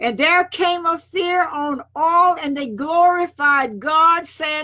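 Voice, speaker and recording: Against a quiet background, a woman with an extremely high pitch projects a raised voice with lively intonation at a very slow pace. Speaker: scripture reader. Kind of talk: scripted scripture reading aloud, audiobook style. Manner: slow, measured, solemn and reverent; even, formal cadence with archaic King James wording. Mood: calm, warm. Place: home room. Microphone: webcam.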